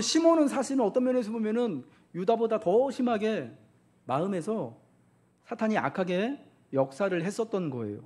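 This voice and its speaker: A man's voice: sits high, a little mellow. A man preaching a Sunday sermon as pastor, asking the congregation questions and acting out quotes.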